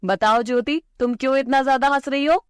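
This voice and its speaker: A caring schoolteacher, voiced by a woman who reassures her pupils gently. Her voice is high and clear, and the recording is close and dry. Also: a little fast, no echo, natural voice. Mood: encouraging. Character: kind, patient female schoolteacher.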